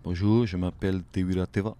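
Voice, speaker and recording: A man, talking casually as a guest on a radio show, filling pauses with "ben", "hein" and "voilà". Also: low-pitched, level tone, dark tone, smooth. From Tahiti. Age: late 30s. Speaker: guest, outrigger canoe paddler. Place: radio studio.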